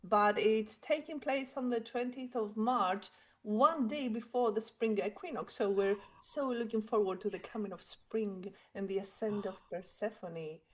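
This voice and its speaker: A woman hosting a podcast interview, greeting her guest and asking questions in a warm, welcoming way. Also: medium pitch, unhurried, poor audio. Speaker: podcast host.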